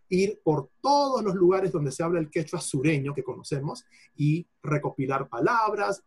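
Guy lecturing, husky voice a bit high, keeps repeating examples and restarting bits. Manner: didactic, repeats examples, self-corrects mid-phrase. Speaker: lecturer on Quechua linguistics. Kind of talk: explanatory lecture answering a participant.

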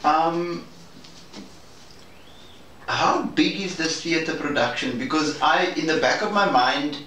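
A man with a slightly high voice talks carefully in an informal discussion, hesitating between phrases. He sounds a bit away from the mic, in a very echoey room. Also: slow, bright, forceful tone. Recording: very echoey, distant mic, faint noise.

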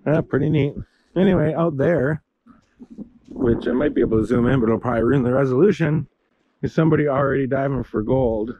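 A man's voice: mid-range voice, brisk. A middle-aged man giving rambling, casual commentary as he walks outdoors and points things out. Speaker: vlogger. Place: outdoors on a windy beach. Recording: muffled outdoor recording with loud wind.

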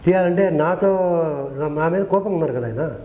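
A man's voice: fairly high pitch, expressive, moderate pace, mellow. An older man, a film director, telling stories from past film shoots and acting out the dialogue of the people in them. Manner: acts out quoted dialogue, earnest. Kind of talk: storytelling anecdote. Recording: echoey room.

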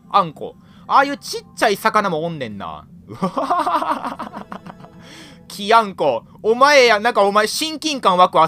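A man's voice: sits high, pushed and bright. A young man with a Kansai accent, chatting casually as he plays a game, exclaiming and laughing at what he finds. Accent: Kansai Japanese. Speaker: game streamer.

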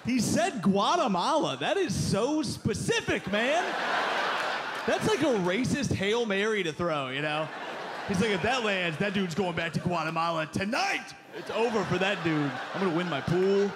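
A man in his thirties doing a stand-up set on a club stage with a handheld mic, punchy and animated, with loud put-on voices. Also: sits high, moderate pace. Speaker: stand-up comedian. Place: club stage before a live audience. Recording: live club recording with crowd noise. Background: audience laughter.

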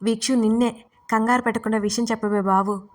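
A woman voicing an anxious, bossy young man who scolds loudly on a late-night phone call. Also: a little high, little pitch movement, fast talker, distant mic, close to an everyday voice. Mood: irritated. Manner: loud and scolding.

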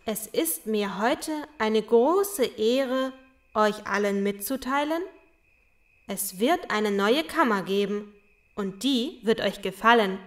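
Woman as a high-voiced, officious town crier creature. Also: lively intonation, slow pace. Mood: ceremonious. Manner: proclaiming, ceremonious. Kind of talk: children's audio drama acting.

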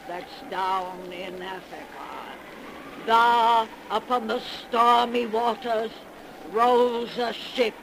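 An ancient witch spins a horror tale in a cracked, cackling crone's voice. She draws out every word with folksy, ominous relish. It is an old 1930s radio broadcast with clear noise over it. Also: on the high side. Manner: slow, folksy, ominous storytelling. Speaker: horror series host character.

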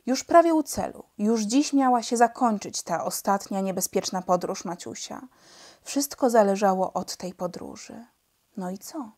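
A woman reading a classic children's novel aloud at a measured pace. Her telling is expressive, with a mid-range voice that stays plain and clear. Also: mid-range voice. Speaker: audiobook narrator.

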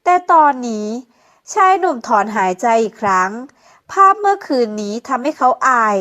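Woman narrator, high-pitched, steady scripted reading. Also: moderate pace. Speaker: audiobook narrator.

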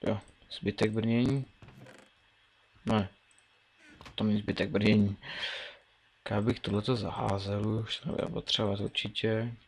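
A teenage man talks his way through a game in a low, gravelly voice. He mumbles and thinks aloud, half to himself, between keyboard and mouse clicks. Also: flat delivery, long pauses. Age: teens. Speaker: gameplay commentator. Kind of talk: casual Let's Play commentary.

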